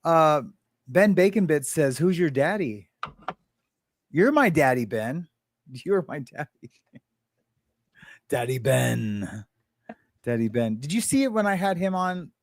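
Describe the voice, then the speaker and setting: A man's voice: fairly high pitch, big pitch swings, slow, long pauses, no room sound. Laid-back rambling man with dry sound. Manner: rambling, laughs often, many fillers and restarts. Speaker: livestream co-host. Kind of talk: casual live chat.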